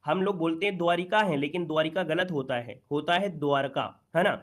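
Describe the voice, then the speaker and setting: A man's voice: fairly high pitch, fairly quick. A man teaching an exam-prep Hindi spelling lesson, repeating key points and asking the class rhetorical questions, then answering them himself.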